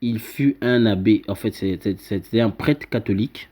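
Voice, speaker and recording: A man explaining a writing system he invented to viewers, pointing at a screen and talking haltingly with many fillers and restarts. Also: lowish voice, dark tone. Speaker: self-styled teacher presenting his invented script. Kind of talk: informal explanatory talk over a screen.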